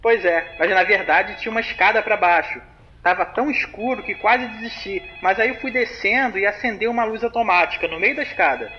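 An actor plays a young man who casually tells a spooky story in slangy language over a phone call. His voice is high, brisk, and close to an everyday speaking voice, with a chatty mood. The phone recording is muffled, with a faint hiss.

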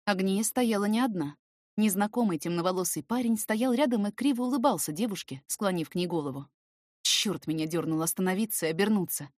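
A woman reading a first-person story as an expressive, scripted audiobook narration. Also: medium pitch, brisk, no echo, clean studio sound.

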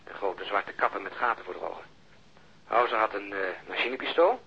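A dull, lo-fi radio drama recording of a sardonic police officer. His voice is very husky yet forceful and bright, and he recounts things with dry, exasperated irony. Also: lowish voice, expressive, full character voice. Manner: dry, deliberate, ironic storytelling.

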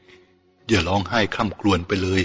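Man voicing an old uncle, anxious, earnest, low voice, muffled lo-fi sound. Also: a bit bright, breathy edge, in a large hall. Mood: pleading. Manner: slow, shaky, then firm and earnest. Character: elderly male Brahmin uncle, anxious and protective. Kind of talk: audiobook character voice. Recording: dull lo-fi with faint music.

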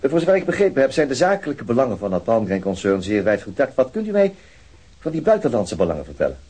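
A man acts out a weary detective in a radio drama. His voice is husky and mid-pitched, and it moves a lot in pitch as he probes, mocks and pushes back. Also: wildly swooping pitch, fast talker, darkish tone. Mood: probing. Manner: dry, sarcastic, questioning. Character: weary, sardonic male police detective. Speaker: police detective. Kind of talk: Dutch radio play acting.

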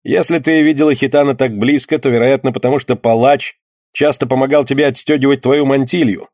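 A man's voice: medium pitch, steady tone, fairly quick, a little mellow, no echo, clean studio sound, voice pushed up, natural voice. A man voicing a swaggering male street tough who teases in a brash, mocking way. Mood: teasing.

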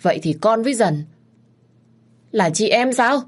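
A woman's voice: fairly high pitch, animated, measured pace, pitched above the performer's own voice. A woman doing a bewildered young man. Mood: disbelieving. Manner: bewildered, insistent. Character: young man, stunned and pleading son.

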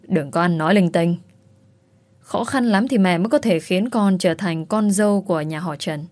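A woman's voice: lowish voice, normal speed, a little mellow, no room sound, natural voice. A woman voicing a scheming, bossy middle-aged mother in a spoken story. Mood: scolding. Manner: fussing, wailing, bossy. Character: scheming wealthy middle-aged mother pushing her daughter.

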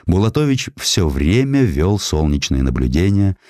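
A man reading a scripted historical narrative in a measured, expressive storytelling way. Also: deep voice, no echo, clean studio sound. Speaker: audiobook narrator.

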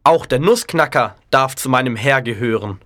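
A man's voice: mid-range voice, animated, moderate pace, a bit bright, no room sound, natural voice. A man voicing a cheeky young boy who boasts and teases in a bossy way. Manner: bossy, mocking.

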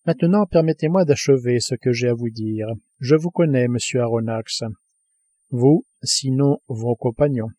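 A man's voice: medium pitch, dark tone, breathy edge, dry recording, close to an everyday voice. A man reading a cold, stern submarine commander. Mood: grave. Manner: grave, measured. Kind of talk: audiobook reading.

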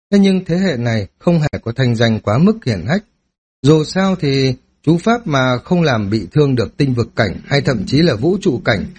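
A man narrating a fantasy novel as an audiobook, with steady storytelling and dramatic emphasis. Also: medium pitch, husky.

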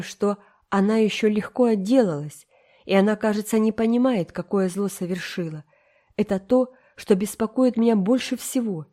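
A woman's voice: medium pitch, warm tone, lightly acted. A woman voicing a stern, strict older spinster in an audiobook, speaking in a firm, scolding, clipped way.

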